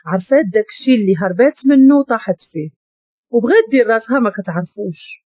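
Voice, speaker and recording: A woman with a Moroccan accent narrating a dramatic story in an expressive reading. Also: a little high, fast, husky, no room sound. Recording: dull lo-fi dry recording.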